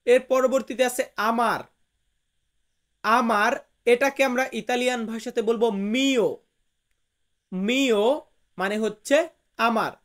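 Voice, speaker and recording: A man from Bangladesh, teaching a vocabulary lesson to viewers, slowly repeating each word and its meaning with emphasis. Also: extremely high pitch, steady tone, a bit bright. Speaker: language teacher.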